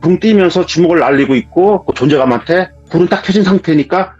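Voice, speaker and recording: A man with a husky voice, telling a true ghost story in a vivid, dramatic way as a guest in casual spoken storytelling. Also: on the high side, quick pace, darkish tone. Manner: vivid, dramatic retelling of events. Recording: dull lo-fi sound with faint music.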